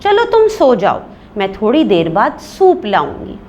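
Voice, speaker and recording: A woman's voice: fairly high pitch, huge pitch swings, unhurried, darkish tone, lo-fi sound, slight background noise. A woman voicing a fussy, bossy wife of the house, reading a play aloud for a class. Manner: bossy, scolding.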